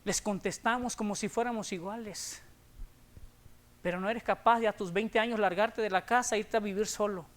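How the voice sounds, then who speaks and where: A man with a Mexican Spanish accent preaching a sermon, swinging between loud emphatic declarations and low, confiding asides. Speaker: pastor. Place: church sanctuary.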